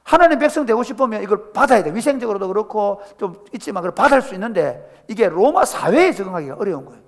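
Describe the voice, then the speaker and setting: A man's voice: high-pitched, sing-song, quick pace. A middle-aged man preaching a sermon as pastor, acting out quoted voices and asking the congregation questions. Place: church sanctuary. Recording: church hall with long reverb.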